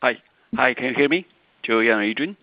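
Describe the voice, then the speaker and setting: A man's voice: mid-range voice, fairly quick, no echo. A man working as a financial analyst, hesitantly phrasing a question on an earnings call. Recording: slightly muffled, dry call line.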